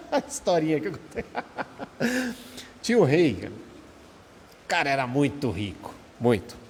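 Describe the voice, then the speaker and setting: A man with a Brazilian Portuguese accent gives an informal spiritual talk, his voice a little higher than most men's. He speaks conversationally and keeps checking in with his listeners. The sound carries a long hall reverb, with faint rain heard behind him. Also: a little mellow, a little hiss or hum. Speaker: speaker at a Spiritist study center.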